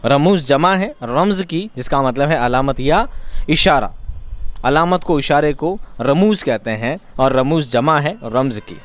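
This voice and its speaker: A man teaching an exam-prep lesson, explaining each point by repeating it in other words and asking rhetorical questions. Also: fairly high pitch.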